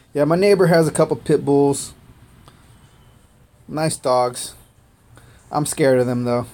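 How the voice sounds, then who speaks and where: A man born in Korea whose first language was Korean, chatting casually on a game livestream, thanking viewers by name and filling pauses with "uh" and "man". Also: on the high side, darkish tone. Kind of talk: casual gaming livestream chat.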